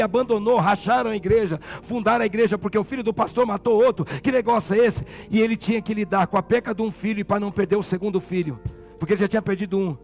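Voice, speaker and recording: Brazilian male pastor, passionate sermon storyteller, heavy gravel in a high voice. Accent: Brazilian Portuguese. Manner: passionate preaching, telling a story to the congregation.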